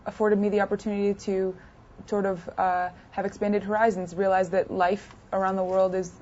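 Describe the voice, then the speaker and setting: A woman's voice: medium pitch, level tone, fairly quick, a little mellow, slight background noise. A young woman in her twenties, raised in the United States and France, answering interview questions in a chatty way with many fillers and restarts. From United States, partly raised in France. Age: 20s. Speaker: interview guest, poker player. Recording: dull lo-fi sound.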